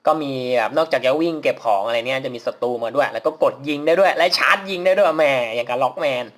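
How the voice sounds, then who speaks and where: A man's voice: mid-range voice, lively intonation, fast. A man casually commentating as he plays a mobile game, polite and chatty, laughing at his own mistakes. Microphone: phone mic while playing on a phone.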